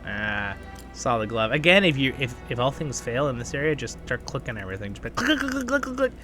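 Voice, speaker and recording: A man's voice: mid-range voice, very animated, a little fast, bright, forceful tone. A man hosting a gaming channel, giving a casual, rambling gameplay guide and chatting to viewers as friends. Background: game background music.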